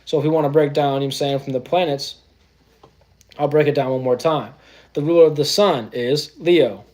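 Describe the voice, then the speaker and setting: A man's voice: on the high side, fairly quick, darkish tone. Chatty astrology streamer man, AAVE slang. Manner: loose and chatty, keeps saying "you know what I'm saying"; drops into slang. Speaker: astrology livestream host. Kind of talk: casual livestream talk.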